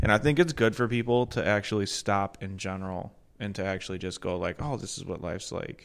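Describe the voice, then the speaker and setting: Over a silent background in a very clean recording, a man with a plain, everyday voice and an American accent talks at a fairly quick pace, with ordinary pitch variation and big swings in loudness. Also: fairly low pitch for a man. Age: 20s. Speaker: comedian. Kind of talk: casual chat.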